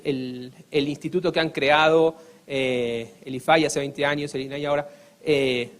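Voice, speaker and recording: A man from Argentina with an Argentine accent, speaking earnestly on a panel, with many hesitations and restarts. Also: fairly high pitch. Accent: Argentine Spanish. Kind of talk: formal panel talk.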